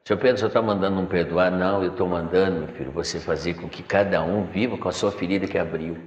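A man's voice: low-pitched, steady tone, fast, dull audio. A middle-aged man giving a spiritual lecture from a chair in a decorated room, preachy, calling listeners "my son", recorded from a far camera. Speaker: spiritual teacher. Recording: echoey room with long reverb.

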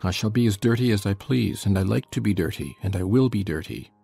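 A woman voicing a sullen, defiant, proud boy in a dramatized audiobook, with a gravelly, husky voice and stubborn emphasis. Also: a bass voice, fairly quick, warm tone, faint music behind, voice pushed down, full character voice. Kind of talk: dramatized audiobook character reading.

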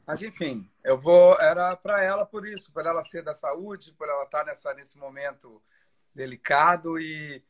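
A man joining a casual live-stream chat from home over a video call, joking about himself and speaking warmly of his family with hesitant restarts. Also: a little high, unhurried. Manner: chatty, self-mocking, hesitant restarts when emotional. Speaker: guest. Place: home in isolation. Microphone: phone or computer on a video call.

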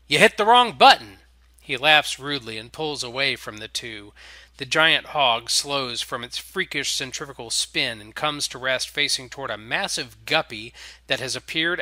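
Very bright, forceful male narrator. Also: mid-range voice, moderate pace, dry recording. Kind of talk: scripted story narration.

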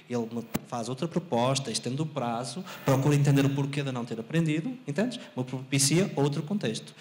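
A man's voice: a little high, a little hiss or hum. A man in his thirties with a European Portuguese accent, a math teacher giving an expansive answer on a handheld mic in a university auditorium. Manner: expansive, explanatory, asks if understood. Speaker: invited speaker, math teacher. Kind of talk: lecture answer to audience. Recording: roomy auditorium sound.

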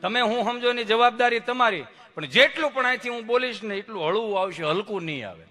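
Male folk comic on stage: high, bright voice, lively with preachy asides, faint music behind. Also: quick pace. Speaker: folk comedian and storyteller. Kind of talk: stage folk humor storytelling. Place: stage before a seated audience.

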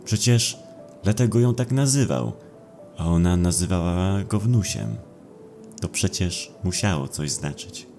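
A man narrating a dark audio drama in a brooding, dramatic way with deliberate pauses. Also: low voice, expressive, faint music behind. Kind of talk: dramatic scripted horror narration.

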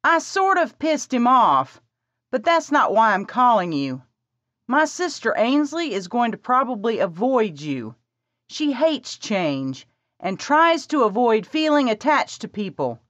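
A woman voicing an excitable, bossy younger sister who talks in quick bursts. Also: on the high side, no room sound, voice pushed up. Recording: slightly dull dry recording.

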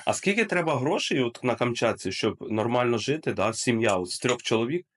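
A man's voice: medium pitch, expressive, brisk. A man with a Ukrainian accent hosting a video chat, asking probing questions and answering with short acknowledgements. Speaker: streamer, host. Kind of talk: casual chat. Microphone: video call.

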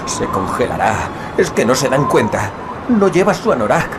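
A man playing a desperate husband and father in an audio drama, searching a snowstorm for his family with shouts and pleas. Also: mid-range voice, very animated, normal speed, close to an everyday voice. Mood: frantic urgency. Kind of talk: Spanish-language audio drama acting. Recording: loud wind and outdoor ambience behind.

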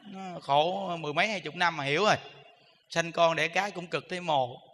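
A man's voice: a little high, fairly quick, a bit bright, big-room sound. A man with a Southern Vietnamese accent giving a humorous dharma talk as a Buddhist monk. He is chatty and teasing, and keeps asking the audience whether they agree.

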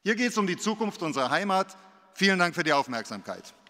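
A man in his fifties delivers a measured, earnest speech into a lectern microphone, his voice sitting a touch higher than most men's. The long reverb of a big council hall trails each phrase. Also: sing-song, over a noisy crowd, very noisy. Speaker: invited business speaker. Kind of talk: formal speech to a city council. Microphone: lectern gooseneck microphone.

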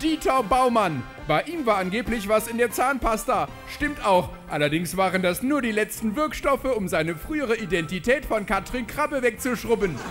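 A man reads a scripted comedy segment like a straight-faced announcer. His voice is high. Bright music plays beneath him. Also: very animated, normal speed, few pauses. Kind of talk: scripted comic voice-over.

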